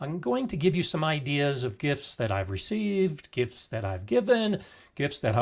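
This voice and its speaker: A man talks at a moderate speed. Behind him the background stays quiet. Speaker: gardening channel host. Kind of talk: live-stream show intro. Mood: warm, friendly. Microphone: studio mic.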